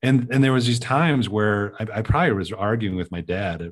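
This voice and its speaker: A man with an American accent, a fairly low pitch and ordinary pitch variation, against a quiet background. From US Midwest, Chicago area. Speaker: author. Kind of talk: casual chat.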